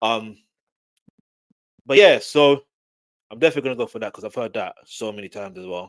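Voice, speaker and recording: A man's voice with very wide pitch swings, dry and close with no echo, on a very clean recording against a silent background. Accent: London. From South London. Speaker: podcast host. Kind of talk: casual monologue.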